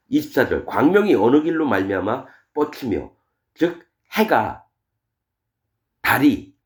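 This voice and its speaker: A male pastor with a middle-pitched voice preaches an expository sermon, reading scripture and retelling the verses in a casual, conversational way. He's very animated, throwing out rhetorical questions and swinging widely in pitch and volume.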